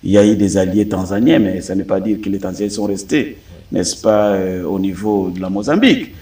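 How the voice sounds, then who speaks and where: A Congolese man speaking as a political analyst in a debate, deliberate and emphatic, pausing often to hesitate. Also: low voice, mellow, distant mic. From Democratic Republic of the Congo. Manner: deliberate, frequent hesitations, rising emphatic stresses. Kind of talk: studio debate commentary.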